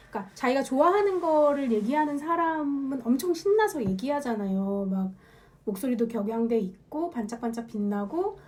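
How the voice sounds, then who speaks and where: Mellow, higher-pitched woman thinking aloud. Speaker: podcast host. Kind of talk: casual solo monologue.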